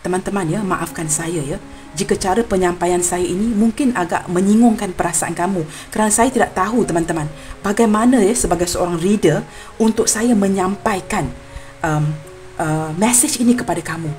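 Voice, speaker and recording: This time her voice is lowish and moderately paced, with faint music playing behind. The young tarot reader from Malaysia, Malaysian Malay accent and all, gives a general reading, earnest and apologetic, warmly calling her viewers friends.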